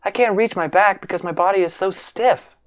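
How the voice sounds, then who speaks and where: A man voicing a frail, gentle young woman patient in a game, speaking softly and hesitantly. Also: high voice, a little fast, muffled recording, voice pushed up, close to an everyday voice. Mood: timid, polite. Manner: soft, hesitant and polite.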